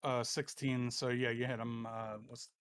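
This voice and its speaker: A man's voice: mid-range voice, level tone, normal speed, fairly bright tone, clear, resonant tone. A man acting as game master, talking casually with friends and thinking aloud as he works out the rules. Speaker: game master of a tabletop role-playing game.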